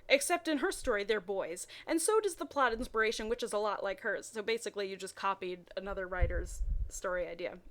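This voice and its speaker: Wry woman reading aloud, fairly high voice. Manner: wry, deadpan asides. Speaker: reader and commentator. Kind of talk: mocking read-aloud of amateur fan fiction with asides.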